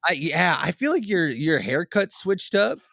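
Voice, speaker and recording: A man's voice: high voice, sing-song, measured pace, gravelly, sharp tone, no room sound, clean studio sound. A man co-hosting a comedic podcast chat with a robotic, metallic-sounding voice and a hammy, showman-style delivery. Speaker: co-host.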